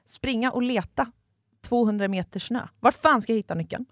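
A woman's voice: a little high, dry recording, clean studio sound. A woman co-hosting a podcast, telling a long story in a casual chat and swearing freely. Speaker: podcast co-host.

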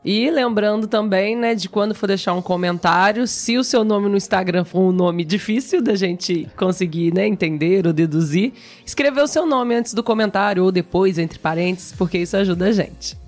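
A woman co-hosts a live podcast, usually backing up her partner with short, easy replies. She speaks in a relaxed, everyday way. A faint music bed plays behind her voice. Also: medium pitch, moderate pace, hardly any pauses. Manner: brief, agreeable replies. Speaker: podcast co-host.

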